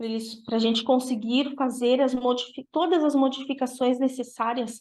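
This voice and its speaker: A woman's fairly even intonation, with audible room echo. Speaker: nutritionist. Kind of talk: health talk to church group.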